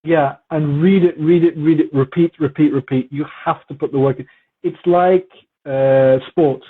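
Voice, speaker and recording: Brief: man, language teacher, husky, slightly high voice, tinny phone-like sound. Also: normal speed. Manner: relaxed, repetitive for emphasis, mixes in Turkish words. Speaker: English teacher interviewed as guest. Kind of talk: casual conversational Q&A. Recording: muffled phone-like audio.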